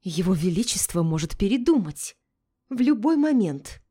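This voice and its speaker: A woman voicing a scheming young maid who reassures her mistress in short, hushed phrases. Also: medium pitch, sing-song, normal speed, husky, voice pushed up. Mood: soothing.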